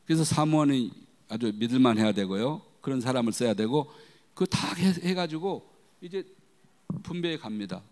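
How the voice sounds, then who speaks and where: A middle-aged man preaching a sermon as a guest pastor, telling stories animatedly and acting out the voices he quotes. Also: normal speed. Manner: animated storytelling, acting out quoted voices with big pitch jumps. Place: church sanctuary. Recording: long hall reverb.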